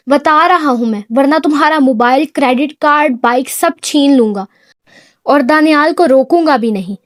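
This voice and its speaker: A man's voice: extremely high pitch, fairly bright tone, no room sound, studio quality. A woman voicing a strict older brother and businessman who speaks curtly and with exasperation. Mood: stern. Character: stern, rule-bound older brother, businessman.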